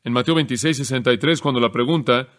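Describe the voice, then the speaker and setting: A man preaching an expository sermon, explaining a text in a measured teaching manner and slowing down to stress key phrases. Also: mid-range voice, fairly bright tone.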